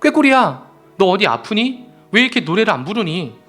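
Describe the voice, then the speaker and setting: A man voicing a caring young prince who gently coaxes his pet bird, in a story told in a sermon. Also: high voice, sing-song, moderate pace, faint music behind, full character voice. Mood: coaxing.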